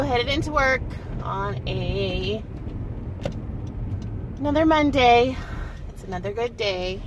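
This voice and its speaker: A woman's voice: mid-range voice, far from the mic. Woman, 30s, congested vlogger, chatty and rambling, car camera with heavy road noise. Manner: chatty, rambling, many fillers and restarts. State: congested, clearing her throat. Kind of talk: casual chat to camera. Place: inside a moving car. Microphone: dashboard camera.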